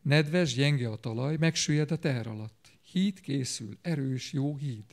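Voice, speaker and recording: A man giving a measured, dramatic literary reading of prose and a poem. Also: mid-range voice.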